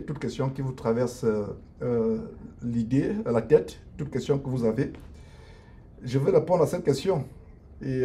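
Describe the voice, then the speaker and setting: A middle-aged man with a mellow, dark voice preaches on an unscripted live stream. He speaks in an earnest, preachy way, stalling often on long fillers and restarting his sentences. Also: medium pitch. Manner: hesitant, many drawn-out fillers and restarts. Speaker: lawyer and online minister. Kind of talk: improvised live stream, answering viewers. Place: his law office at lunch break.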